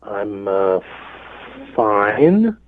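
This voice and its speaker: A man's voice: lowish voice, big pitch swings, extremely slow. A man heard over the phone while at work, puzzled and irritated, pushing back at the caller. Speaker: prank call target. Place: at his workplace. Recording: tinny dry phone line.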